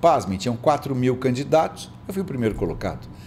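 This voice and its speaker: The man holds a medium pitch, with noticeable background noise present throughout. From Brazil, São Vicente (São Paulo coast). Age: 60s. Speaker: historian, institute president. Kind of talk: podcast interview, life stories.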